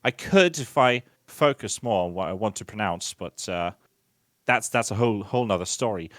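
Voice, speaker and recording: A man's voice: on the low side, expressive, moderate pace, a bit bright, no room sound. A Finnish man in his late twenties with a Finnish accent, chatting casually as a guest about his work and travels. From Finland. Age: 20s. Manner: chatty, self-deprecating, lists things off. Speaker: esports commentator, guest. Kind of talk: casual conversational interview.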